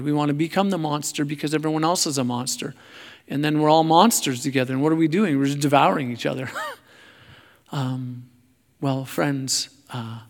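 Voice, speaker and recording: A man preaching a sermon in a halting, self-deprecating way, searching for his words as he goes. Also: medium pitch, creaky. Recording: long hall reverb.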